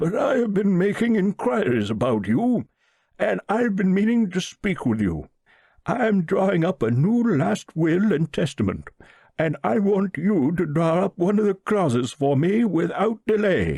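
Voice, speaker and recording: In a put-on character voice, a man drawls at a moderate pace and high pitch with lively intonation and very even loudness, in a dry, close sound with no echo over a quiet background. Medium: read story. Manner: slow drawl; solemn, pompous.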